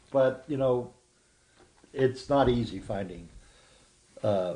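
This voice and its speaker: A somewhat breathy man's voice with a dark, mellow tone and ordinary pitch variation. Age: 60s. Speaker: longtime tabletop gamer. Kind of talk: casual chat.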